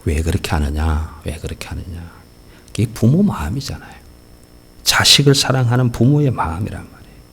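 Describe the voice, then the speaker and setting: A man's voice: low-pitched, normal speed, creaky, slight background noise. A middle-aged man preaching a sermon as pastor, telling stories and acting out the voices of parents and children. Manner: lively storytelling, acting out quoted parents and children. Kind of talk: Easter sermon.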